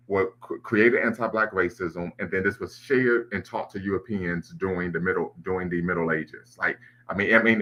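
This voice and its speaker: Deep-voiced man lecturing on a livestream. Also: pushed and bright, rough recording. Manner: lecturing, cites history and sources, frequent restarts. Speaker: livestream host. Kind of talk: casual live discussion.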